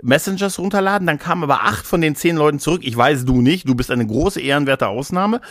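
A man's voice: on the high side, fast, fairly bright tone. A man chatting casually as a podcast co-host, rambling along colloquially with English slang mixed in. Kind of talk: casual chat.

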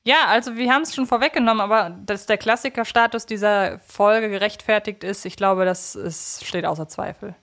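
A woman's voice: mid-range voice, normal speed, hardly any pauses, fairly bright tone. A woman co-hosting a casual podcast, thinking aloud in a reflective way. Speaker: podcast co-host. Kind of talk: casual conversational podcast discussion.

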